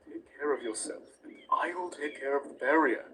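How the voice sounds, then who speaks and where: A man playing a gentle, caring monster in a comic dub, soft-spoken. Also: on the high side, a little fast, close to an everyday voice. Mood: gentle concern.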